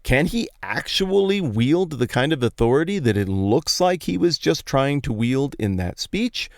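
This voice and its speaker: This Colorado podcaster has a gravelly, mid-range voice that is expressive yet measured in pace. He tells Bible stories in a casual, colloquial monologue with playful emphasis, recorded in a parked truck with dry, studio-quality sound.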